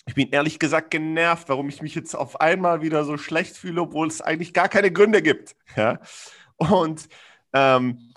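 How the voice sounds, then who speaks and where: This man's voice sits on the high side, fairly bright, at a normal speed. Reflecting on his emotions in conversation, he's honest and sincere, stumbling through fillers and restarts and using blunt slang.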